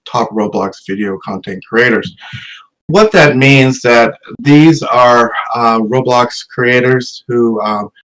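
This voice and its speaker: A middle-aged man from Massachusetts, an educator presenting a talk with slides, hesitant and filling pauses with many ums. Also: mid-range voice, a bit bright, poor audio.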